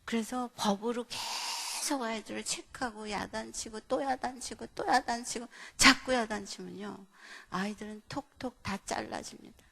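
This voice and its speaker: A middle-aged woman pastor gives a sermon at an evening family meeting, telling stories and acting out the people in them with big swings in loudness. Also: a little high, moderate pace, vocal fry. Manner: animated storyteller, acts out dialogue with big swings in loudness. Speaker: pastor and seminar speaker. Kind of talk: sermon with storytelling. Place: church hall at an evening revival meeting.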